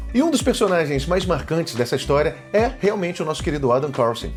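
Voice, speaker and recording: Lively intonation is heard over music in the background. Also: man. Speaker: voice actor. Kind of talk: casual talk to camera.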